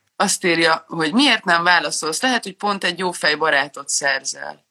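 A woman with a plain, everyday voice uses lively intonation and a fairly low pitch, captured as a dry, close sound with no echo. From Hungarian community abroad. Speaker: online talk show host. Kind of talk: interview.

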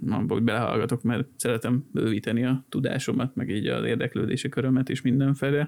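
The intonation stays fairly even, with vocal fry throughout. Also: man. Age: 20s. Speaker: podcast co-host. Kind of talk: casual chat.

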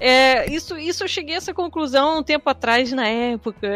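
A woman's high-pitched voice at a moderate pace with ordinary pitch variation, music in the background. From Rio de Janeiro state, Brazil (Petrópolis). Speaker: illustrator. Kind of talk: casual chat.

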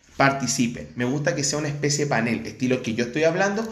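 Audible room echo surrounds a man with a Chilean accent. His voice sounds somewhat breathy. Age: 30s. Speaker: cosplayer and party-goer. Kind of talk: casual chat.

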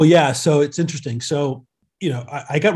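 A man speaks at a fairly quick pace in a dark, mellow tone. His voice is somewhat breathy, with ordinary pitch variation. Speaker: author and business executive. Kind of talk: casual interview chat.

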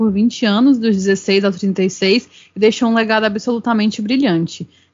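Her fairly high voice somewhat breathy, a woman speaks with fairly even intonation. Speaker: podcast host. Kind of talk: interview.

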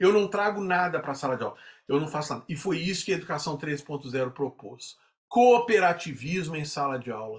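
With a normal speaking voice, a man talks at a fairly high pitch with lively intonation. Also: fairly quick pace. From Minas Gerais, Belo Horizonte. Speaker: education specialist. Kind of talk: interview conversation.

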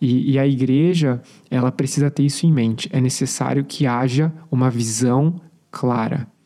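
With a dark, mellow tone, a man speaks at a medium pitch and moderate pace, keeping his loudness very even and his intonation fairly even. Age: 20s. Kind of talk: casual chat.

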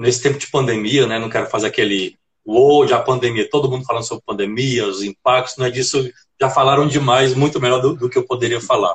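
Somewhat breathy, a man's medium-pitched voice moves at a fairly quick pace with ordinary pitch variation. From Fortaleza, Ceará, Brazil. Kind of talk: casual interview on an Instagram live.

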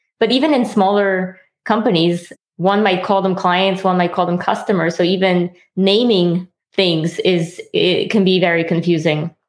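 A woman with an American accent, a normal speaking voice, medium pitch, fairly even intonation, very even loudness and a moderate pace. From Tajikistan.

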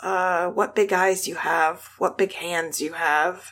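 A woman puts on a character voice at a medium pitch and speaks very slowly. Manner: menacing, exaggerated.

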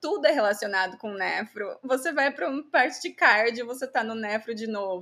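A woman's bright, sharp tone, fairly high in pitch, at a moderate pace. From Brazil, interior of São Paulo state (São José do Rio Preto). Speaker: nurse. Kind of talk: casual interview.

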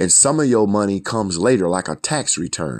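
Speaking with an American accent, a man uses a fairly low pitch and a passionate tone. His pace is fairly quick. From US Midwest (Fort Wayne, Indiana). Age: 50s. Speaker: former addict and ex-prisoner, business owner. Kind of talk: personal testimony. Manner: passionate, emphatic.

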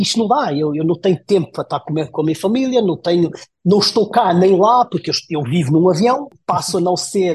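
A man talks at a fairly quick pace in a high voice, his intonation lively. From South Africa. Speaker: tech company co-founder. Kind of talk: interview. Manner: halting.

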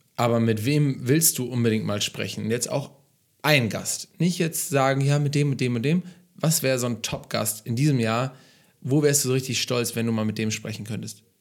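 In a very clean recording with a silent background, a man with a plain, everyday voice talks at medium pitch and a moderate pace, with ordinary pitch variation. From northern Germany, Kiel. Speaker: podcast co-host. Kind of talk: casual interview chat.

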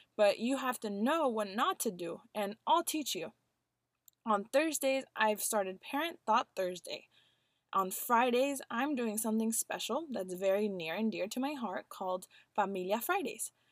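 A woman speaks at a moderate pace and a fairly high pitch, with lively intonation. The recording is very clean, dry and close, with a silent background and no echo. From US, Mexican and Guatemalan immigrant family. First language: Spanish. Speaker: college admissions advisor. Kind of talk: podcast intro monologue. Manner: energetic, encouraging.

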